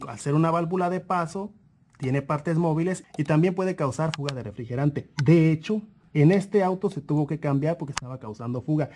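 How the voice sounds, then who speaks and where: A man calmly walking through a car engine repair lesson, pointing out parts one by one and repeating key points. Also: fairly high pitch, slightly rough. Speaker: auto mechanic instructor. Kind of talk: explanatory car repair tutorial voice-over.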